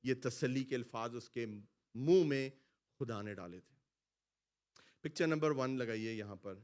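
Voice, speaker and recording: A male pastor preaching a sermon in a church hall, calling out lines for the congregation to repeat and swinging between loud exclamations and quiet asides. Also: mid-range voice. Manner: preaching, has the congregation repeat phrases after him. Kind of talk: sermon with call-and-response.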